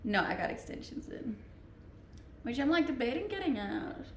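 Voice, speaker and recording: A livestreamer from Denmark, in her twenties, reads viewer comments in a little-high voice at a moderate pace, chatting casually and laughing often with a Danish accent. The sound is reverberant, with a little hiss or hum.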